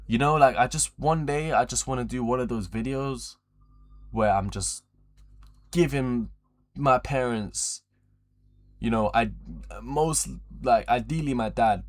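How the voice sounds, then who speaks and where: A twenty-year-old man chatting casually on a livestream in a rambling, slangy, repetitive way, with frequent swearing. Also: mid-range voice. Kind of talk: casual livestream chat to viewers.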